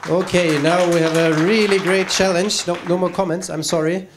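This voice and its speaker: A man moderating a public debate, briskly and apologetically keeping time and cutting off comments. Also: high-pitched, fairly even intonation. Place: debate hall with audience. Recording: crowded hall with noisy background.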